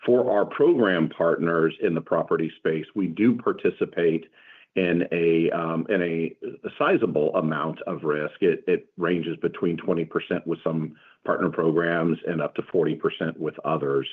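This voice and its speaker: A man answering questions as a company executive on an earnings call, in measured corporate explanation. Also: low-pitched, fairly even intonation, breathy edge. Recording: muffled phone-like conference call line.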